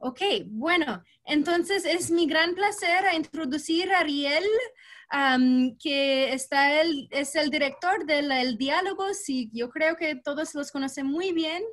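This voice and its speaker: Very slowly and with a non-native accent, a woman speaks at a high pitch with ordinary pitch variation. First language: not Spanish (speaking Spanish). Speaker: webinar moderator for a global early childhood network. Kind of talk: webinar welcome and housekeeping. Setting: online webinar. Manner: halting, many fillers.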